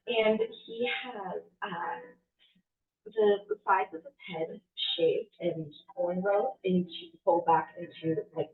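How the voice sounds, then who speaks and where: A woman narrating a tabletop game as game master, hesitant with many ums and uhs. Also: lowish voice. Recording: distant, echoey, phone-like audio.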